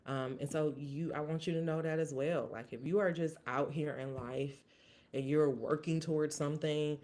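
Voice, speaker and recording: A woman's voice: deep voice, fairly even intonation, moderate pace, darkish tone. A woman hosting a casual solo podcast recap, earnest and motivational, thinking aloud with many restarts. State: briefly emotional. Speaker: podcast host.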